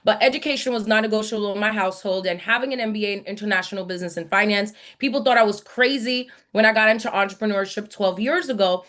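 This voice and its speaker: A woman's voice: mid-range voice, fast, few pauses, fairly bright tone. A woman from the Dominican Republic and the US East Coast presents a live online masterclass as a brand coach, in an emphatic, motivational manner that repeats phrases for weight. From born in the Dominican Republic, grew up in New York City and South Florida.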